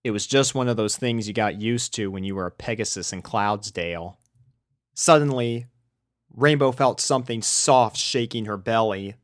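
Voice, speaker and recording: A young man reading a fan story aloud in a measured, gentle narration. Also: fairly low pitch, dry recording, studio quality. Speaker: fanfiction reader.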